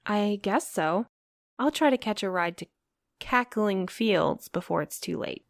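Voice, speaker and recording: A woman's voice: medium pitch, lively intonation, measured pace, vocal fry, no room sound, studio quality. A woman playing a wry, put-upon mail courier in an audio drama, conversational and a little sardonic. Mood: wry, exasperated.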